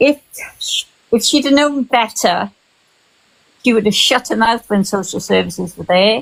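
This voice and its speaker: Pausing long and often, a woman with a fairly high pitch and vocal fry speaks at a moderate pace with lively intonation. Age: 70s. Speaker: mother speaking about her estranged daughter. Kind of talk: casual conversation, family account.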